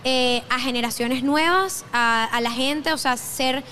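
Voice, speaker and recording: A woman's voice: sits high, measured pace, pushed and bright, a little hiss or hum. A young woman with a Venezuelan accent, a podcast guest talking casually and often restarting her sentences. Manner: chatty, self-correcting, laughs easily. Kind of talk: casual interview chat.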